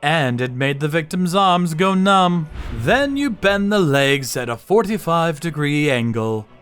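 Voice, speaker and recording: A man giving scripted, dramatic first-person narration for a manga dub in a deliberate, grim manner. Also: on the high side, lively intonation, music in the background. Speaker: narrator and lead character, a torture sommelier.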